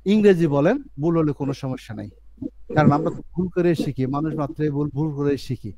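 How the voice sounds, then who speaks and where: Guy teaching online english class, earnest, repeats stuff, slightly higher voice, faint background noise. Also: a little fast, mellow. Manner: earnest, repetitive explaining with restarts.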